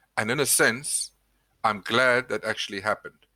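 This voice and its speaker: A man's voice has a bright, sharp tone. The recording is very clean and silent in the background, with a dry, close sound and no echo. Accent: South African. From South Africa. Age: 40s. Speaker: company managing director. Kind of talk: podcast interview.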